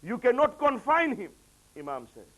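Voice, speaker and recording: A man delivering a religious lecture, lifting his voice for quoted sayings and dropping it low and quiet for asides. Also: very animated, moderate pace. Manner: rises in pitch and volume when quoting, drops low for asides. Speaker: preacher.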